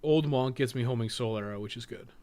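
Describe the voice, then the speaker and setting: A man's voice: mid-range voice, brisk, darkish tone. A man giving casual gameplay commentary, thinking aloud in a musing way, asking himself questions and trailing off into asides. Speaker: podcast co-host and game guide writer.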